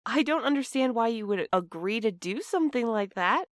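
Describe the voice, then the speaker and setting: A woman acting an anxious, earnest young woman in an audio drama, speaking in an expressive, conversational way. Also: a little high, normal speed, no echo, studio quality, lightly acted. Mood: hurt, indignant. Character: Clementine, anxious, earnest young woman snooping on her date.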